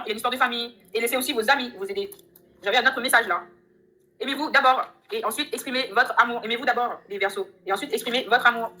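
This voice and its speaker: A fast-talking woman reads tarot cards live from her home and talks straight to her viewers. Her voice is bright and a little high, and she keeps the tone chatty and upbeat. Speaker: tarot reader on a live stream. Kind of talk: live tarot reading chat.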